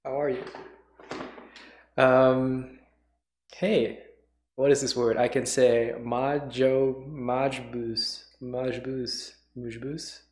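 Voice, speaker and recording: A man's voice: mid-range voice, little pitch movement, very slow, long pauses, darkish tone. A man hosting a casual chat, reacting and searching for words, recorded in a roomy space. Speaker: host reacting to a radio play. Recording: roomy, echoing sound.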